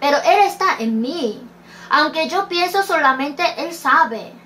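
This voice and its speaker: Woman giving a sermon, high voice, talks real slow, reads verses and asks questions back. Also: animated, pushed and bright, slight background noise. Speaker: preacher.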